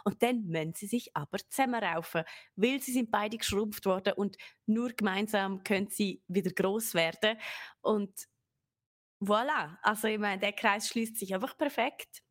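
A woman, co-hosting a game podcast, enthusiastic and quick to laugh. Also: medium pitch. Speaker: podcast co-host. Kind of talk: casual game discussion.

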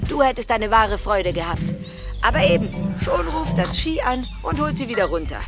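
A woman's voice: fairly high pitch, sing-song, moderate pace. A woman in a radio drama playing a brash investigator with a wry, sarcastic way of talking. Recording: with loud music behind.

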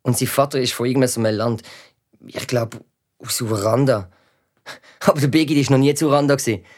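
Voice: mid-range voice, fairly even intonation, brisk, darkish tone, close to an everyday voice. A performer voicing a cheeky, grumbling schoolboy, who narrates and mocks others in a children's audio drama. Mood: sulky. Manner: sulky, sarcastic, grumbling. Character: cheeky gamer schoolboy, grumpy and mocking. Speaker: narrating lead character.

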